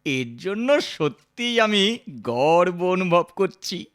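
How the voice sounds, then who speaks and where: Boastful boy prankster, cartoon delivery, mock-sweet, bullying, very animated pitch, unhurried. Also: smooth, full character voice. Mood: smug, cheerful. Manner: smug, mock-sweet, taunting. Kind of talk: Bengali cartoon character dialogue.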